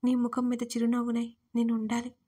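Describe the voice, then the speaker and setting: A woman voicing a dying young wife who speaks softly and haltingly in an audio story. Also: fairly high pitch, monotone, husky. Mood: faint, tender. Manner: soft, faltering, breaking off.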